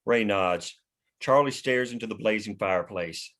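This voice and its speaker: Low-voiced man reading stage directions. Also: normal speed, fairly bright tone. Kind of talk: scripted narration at screenplay table read.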